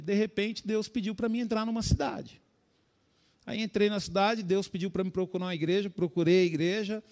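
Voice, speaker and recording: Brazilian male pastor, high-pitched, middle-aged, emotional sermon delivery. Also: a little mellow. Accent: Brazilian Portuguese. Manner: preaching with sudden rises in pitch and volume, addressing "queridos".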